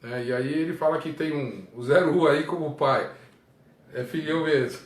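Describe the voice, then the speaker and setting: A Brazilian man, a pastor, talking casually on a livestream from home, with frequent tag questions and sudden jumps up in pitch for emphasis. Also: normal speed, roomy sound. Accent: Brazilian Portuguese. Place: room at home.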